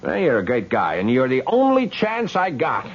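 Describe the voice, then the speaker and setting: A man's voice: medium pitch, huge pitch swings, moderate pace, slightly rough, lo-fi sound, full character voice. An actor playing a frantic young hood trapped in an old man's body, pleading and insisting with stammers in an old-time radio drama. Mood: urgent pleading.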